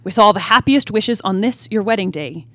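A woman performing a brooding young married woman in a stage play reading, with formal literary diction and dramatic pauses. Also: medium pitch, lively intonation, no room sound, lightly acted. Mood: reading bitter letter. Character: brooding young married woman haunted by her family's past. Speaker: actor. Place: theatre stage, live reading.

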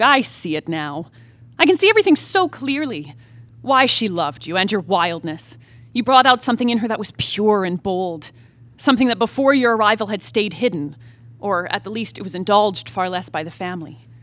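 A woman performing a brooding young married woman in a stage play reading, with formal literary diction and dramatic pauses. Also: medium pitch, big pitch swings, a bit bright, dry recording. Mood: angry, impassioned. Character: brooding young married woman haunted by her family's past. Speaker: actor. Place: theatre stage, live reading.

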